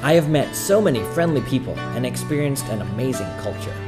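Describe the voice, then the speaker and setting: Lively man voicing a promo over guitar. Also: medium pitch, fairly quick. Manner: upbeat, scripted.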